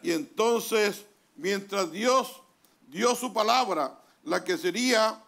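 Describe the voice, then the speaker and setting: A man with a Chilean accent, a pastor preaching a sermon in a church hall, pausing often and calling for amens. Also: sits high, animated, gravelly, fairly bright tone. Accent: Chilean Spanish. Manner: deliberate preaching with pauses, calls of amen. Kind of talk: sermon reading from a translated message.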